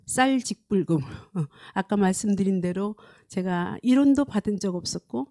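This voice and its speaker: A woman in her sixties speaks at a mid pitch with a warm, relaxed tone. She shares a personal testimony earnestly and haltingly, often repeating a phrase before moving on. She holds the microphone close. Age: 60s. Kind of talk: personal testimony at a prayer meeting. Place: indoor studio set, standing at a lectern. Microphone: handheld microphone close to mouth.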